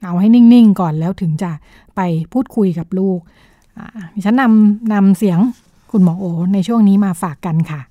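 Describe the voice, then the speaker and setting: A woman hosting a program, summarizing a talk in a measured, polite way with frequent fillers. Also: mid-range voice, no echo, narrow, tinny audio. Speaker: radio program host. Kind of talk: reporting a talk on parenting.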